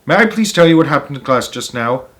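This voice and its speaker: A man's voice: on the high side, expressive, quick pace, a bit bright. A man voicing a polite, earnest woman schoolteacher who pleads her case in a children's storybook reading. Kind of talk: children's storybook read-aloud.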